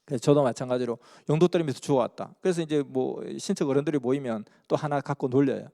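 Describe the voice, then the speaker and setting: Guy preaching, earnest storytelling, mellow low tone, big hall echo. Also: quick pace, vocal fry. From Busan, South Korea. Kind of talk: sermon storytelling. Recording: long hall reverb.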